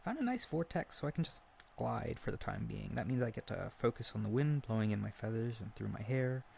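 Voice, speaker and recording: A man playing an earnest, lovesick young harpy bird-boy in a roleplay audio drama, gentle and insecure, speaking tenderly with hesitant stammers. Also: on the low side, lively intonation, a little fast, vocal fry, slight background noise. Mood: wistful. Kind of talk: roleplay audio drama spoken intimately to the listener.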